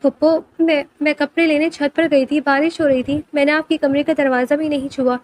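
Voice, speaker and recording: A woman voicing a timid young woman who speaks softly and hesitantly. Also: sits high, level tone, slight background noise, natural voice. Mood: pleading. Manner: hesitant, soft-spoken.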